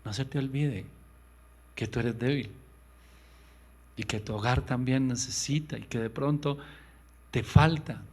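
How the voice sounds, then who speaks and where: A male pastor delivering an impassioned sermon, swinging between loud, raised lines and hushed, low ones, and acting out quoted voices in a higher pitch. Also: unhurried, pauses often, slightly rough. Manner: impassioned preaching with sudden loud rises and hushed drops. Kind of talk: radio sermon.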